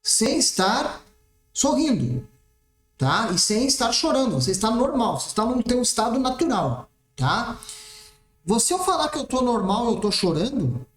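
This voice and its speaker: A man's voice: very high-pitched, very animated, normal speed. A man teaching an exam-prep math lesson, explaining step by step and checking in often. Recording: roomy echoey room.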